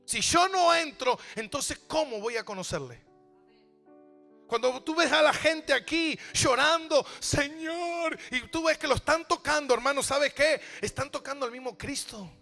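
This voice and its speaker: A man's voice: very high-pitched, moderate pace, gravelly, bright, forceful tone, faint music behind. A man pastor preaching a sermon, asking rhetorical questions and repeating phrases for emphasis. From Argentina.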